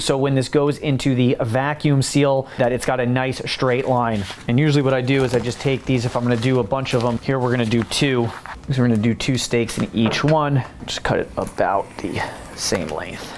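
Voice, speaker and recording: A man's voice: medium pitch, steady tone, moderate pace, slight background noise. A man hosting a home cooking tutorial, chatting casually and explaining each step as he works in his kitchen. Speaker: home cooking channel host.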